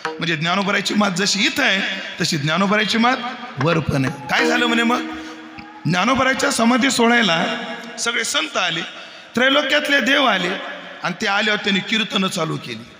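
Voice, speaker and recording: Kirtan preacher, man, Marathi accent, high ringing voice, booming echo of a large hall with music behind. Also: animated, normal speed. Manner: jokes with the crowd, breaks into loud chanted verse. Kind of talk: devotional kirtan sermon with sung verses.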